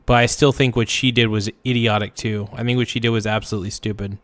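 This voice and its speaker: A man hosting a casual livestream reaction, his voice worn hoarse, rambling and loudly thanking donors. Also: on the low side, flat delivery, fast, no echo. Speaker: livestream host.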